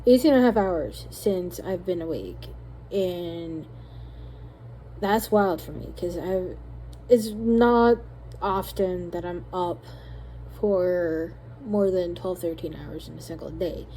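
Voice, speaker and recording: Tired woman, mellow voice, rambling. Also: fairly low pitch, takes it slowly, slight background noise, rough recording. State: voice slightly strained, starting to go. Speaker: small craft business owner vlogging. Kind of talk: casual rambling vlog diary. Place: hotel room.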